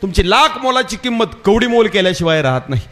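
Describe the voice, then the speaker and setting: A man's voice: high voice, sing-song, fast talker, sharp tone. A man preaching a devotional kirtan sermon at a live gathering. He tells parables in a conversational way and keeps calling on the listeners to pay attention. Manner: addresses the audience directly with repeated calls to listen.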